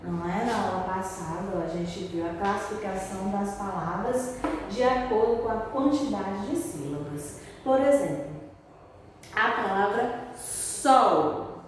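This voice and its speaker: A woman teacher giving a lesson, talking slowly and patiently, stretching and repeating words and asking questions she then answers herself. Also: mid-range voice. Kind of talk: recorded grammar lesson for pupils. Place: room with a board she writes on and erases. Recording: very echoey, long reverb, far from the mic, faint hiss.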